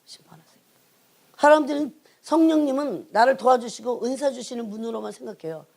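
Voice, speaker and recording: Woman preaching, middle-aged, emphatic and insistent, fairly high voice, gravelly fry. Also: fast. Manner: emphatic, prods the congregation with repeated "예?"; swings between raised emphasis and hushed asides. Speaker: church evangelist, prayer team leader. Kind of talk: sermon.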